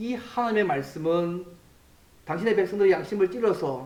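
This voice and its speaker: A man is speaking. His pace is moderate. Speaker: senior pastor. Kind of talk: sermon.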